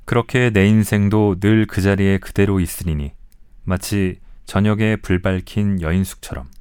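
A man in his forties, an author reading his own essays aloud in a slow, measured, reflective way, pausing to talk to listeners between passages. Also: sits low, steady tone, darkish tone. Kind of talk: calm literary reading aloud.

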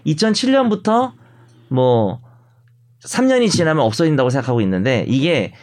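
A man's voice: a little high, sing-song, moderate pace, a little mellow. A man co-hosting a casual discussion, explaining things step by step with a teasing streak. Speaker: podcast co-host.

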